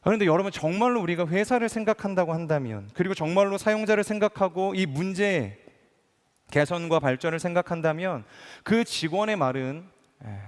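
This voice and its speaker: A middle-aged male pastor delivering a conversational sermon, full of rhetorical questions, who acts out the people he quotes. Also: sits high. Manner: acts out quoted speakers in changed voices. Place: large church hall. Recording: long hall reverb.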